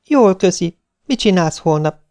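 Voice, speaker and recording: Egy férfi által megszólaltatott csevegő fiatal doktornő. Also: male voice, sits high, expressive, darkish tone, clear, resonant tone, pitched above the performer's own voice. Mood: cheerful. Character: young woman doctor, friendly and chatty.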